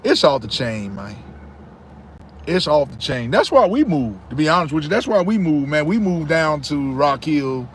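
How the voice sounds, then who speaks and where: A man's voice: a little high, sing-song, moderate pace, slight background noise. A man, chatting casually with viewers on a livestream and repeating himself often. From Charlotte, North Carolina. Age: 30s. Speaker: livestream host. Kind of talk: casual live chat reading comments.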